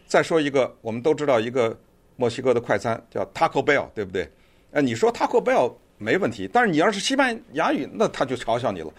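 Male commentator, conversational and digressive, lively swooping intonation, filler-heavy delivery. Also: medium pitch, quick pace. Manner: chatty, digressive, lots of fillers. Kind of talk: casual online commentary.

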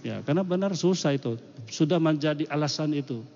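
A man's voice: a little high, expressive, fast, a little mellow. Joking preacher man in cathedral echo. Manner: chatty and joking, laughs between points. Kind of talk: sermon. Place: large church. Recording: dull recording in an echoing church.

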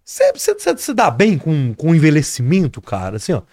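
A man's voice: a little high, huge pitch swings, a little fast, a little mellow, dry recording, clean studio sound. A Brazilian man in his forties hosting a podcast, asking long questions casually and repeating words as he gets them out. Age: 40s. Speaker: podcast host.

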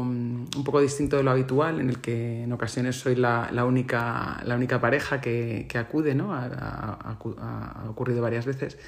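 A man from Spain with a Spain Spanish accent, giving a reflective solo monologue as a podcaster. He talks in a thoughtful way and often pauses to search for the right word. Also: medium pitch.

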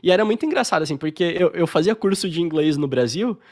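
Young Brazilian man, Brazilian Portuguese accent, raised pitch; easygoing podcast guest, filler-heavy storyteller, video-call sound. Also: quick pace. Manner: relaxed storytelling, frequent fillers. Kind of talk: casual interview chat.

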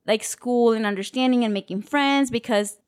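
A woman's voice: a little high, moderate pace, clean tone. A young woman whose first language was Spanish, co-hosting a podcast and recounting her childhood in a reflective casual chat. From Mexico and the United States. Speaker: podcast co-host.

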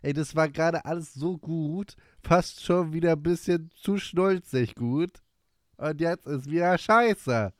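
A young man co-hosting a podcast, reacting to a story with excited, joking comments. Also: fairly high pitch, unhurried, no room sound, clean studio sound. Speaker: podcast co-host. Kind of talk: casual chat.

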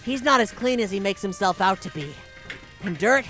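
A woman's voice: mid-range voice, animated, moderate pace, a bit bright, faint music behind, natural voice. A woman playing a cocky young bully boss with a swaggering, slangy drawl in an audio drama. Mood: scheming. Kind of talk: cinematic audio drama roleplay.

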